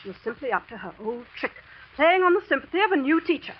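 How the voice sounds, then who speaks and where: A woman's voice: high voice, very animated, fast. An actress playing a stern, domineering female school dean in a 1940s radio drama, with a commanding, cold manner. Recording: dull old radio broadcast.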